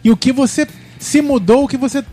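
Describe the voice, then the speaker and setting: A woman hosting a casual chat, asking questions and dropping in quick agreements. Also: high-pitched, warm tone, soft background music. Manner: asks questions, quick affirming interjections. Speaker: host.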